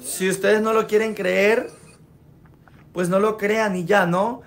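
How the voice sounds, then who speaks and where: A man's voice: sits high, fairly even intonation, takes it slowly. A man hosting a gossip commentary show, indignant and emphatic. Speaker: show host.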